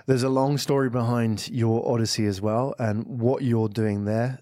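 A man's voice: mid-range voice, steady tone, normal speed, warm tone, no echo. A man hosting an interview podcast in a studio, asking long, rambling questions and backing his guest with frequent murmurs. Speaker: podcast host.

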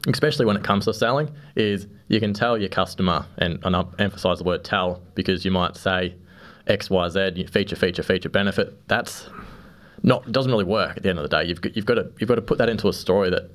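A man's voice: low-pitched, quick pace. A young man, a guest in a casual interview, who often repeats words as he starts sentences. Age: 20s. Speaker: podcast guest.

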